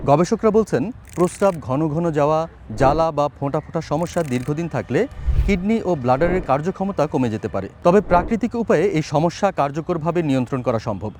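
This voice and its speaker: A man's voice: fairly high pitch, noisy background. A man narrating a scripted product advertisement as a voice-over artist, in a persuasive announcer manner.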